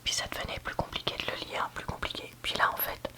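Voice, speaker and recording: A book reviewer giving a candid, hesitant ASMR review in a soft library whisper, often searching for words. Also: fast talker. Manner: soft library whisper, almost entirely unvoiced. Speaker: book reviewer, video host.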